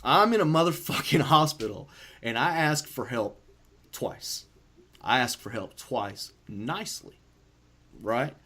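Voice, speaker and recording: A man hosting a podcast, telling a story in a loose, profane, animated way. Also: medium pitch, measured pace, slight background noise. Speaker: podcast host. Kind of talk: casual storytelling chat.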